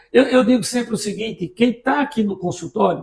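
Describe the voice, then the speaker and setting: A man's high-pitched voice at a fairly quick pace. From Vitória de Santo Antão, Pernambuco, Brazil. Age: 70s. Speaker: orthopedic surgeon. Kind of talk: interview answer.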